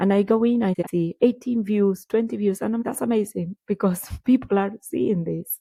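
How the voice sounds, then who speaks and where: A woman with a non-native accent speaks at medium pitch and a moderate pace with hardly any pauses, in a dark, mellow, somewhat breathy tone. The sound is dry and close with no echo, and her pitch variation is ordinary. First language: not English. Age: 40s. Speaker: life coach and podcast host. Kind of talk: personal reflective monologue.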